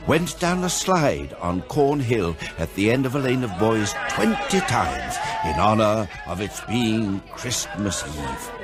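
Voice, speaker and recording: An actor playing a wry storyteller, giving theatrical, scripted narration of a Victorian tale in a radio drama. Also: male voice, lowish voice. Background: music.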